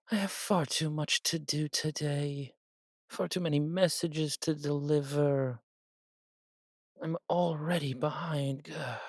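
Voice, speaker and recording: A man's voice: on the high side, vocal fry, breathy edge, no echo, clean studio sound, heavily acted. A man playing a harried, anxious messenger angel in an audio drama monologue, muttering fretfully and scolding himself.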